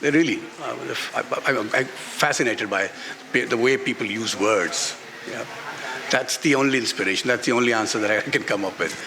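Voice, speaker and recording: A man's voice: medium pitch, moderate pace, crowd noise. A middle-aged man with a Pakistani accent answers candidly as an author at a live event, speaking emphatically and repeating phrases for stress. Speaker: author on a festival panel. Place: live literary festival session in a garden venue. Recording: live event with background noise.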